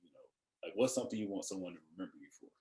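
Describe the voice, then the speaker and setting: A man's voice: deep voice, racing, warm tone, echoey room. A man hosting a podcast, asking guests questions in a laid-back, informal way. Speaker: podcast host. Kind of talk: casual interview chat.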